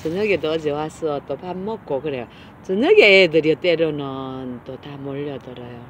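A woman's voice: low voice, slight background noise, poor audio. A middle-aged woman, talking in a casual vlog as she coaxes and feeds stray cats outdoors. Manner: coaxing, doting talk to cats, slow and soft. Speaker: cat caretaker vlogger. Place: outdoors by a street.

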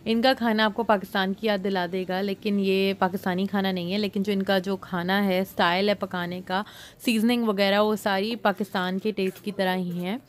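A woman's voice: mid-range voice, little pitch movement, moderate pace. A woman in her thirties from Pakistan, talking casually to her viewers while she vlogs her day. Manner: chatty, addressing viewers directly. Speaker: vlogger. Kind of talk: casual vlog narration to camera. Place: indoor mall, then parked car.

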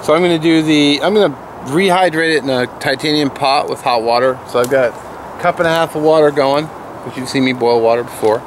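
A man's voice: a little high, a little fast, noisy background. A middle-aged man chatting casually as he cooks on a campfire at a forest campsite, talking to a camera nearby as he moves around. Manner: relaxed, chatty, thinks aloud while cooking. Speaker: camping vlogger. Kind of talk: casual outdoor cooking vlog. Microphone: camera-mounted mic, speaker moving near and away.

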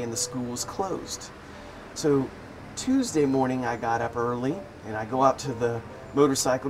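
A man chatting in a relaxed, wry and amused way as he tells everyday stories for his vlog. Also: mid-range voice. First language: English. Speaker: vlogger. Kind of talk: casual storytelling vlog. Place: living in Thailand.

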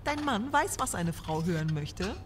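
A woman playing a low-voiced, caring wife. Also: sing-song, moderate pace, a little hiss or hum. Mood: teasing, concerned. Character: caring, gently teasing, watchful wife. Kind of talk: German audio drama acting.

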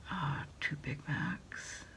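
A middle-aged woman in a quiet ASMR roleplay as an order taker, murmuring in a halting, breathy whisper. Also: slight background noise. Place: small indoor room at a desk.

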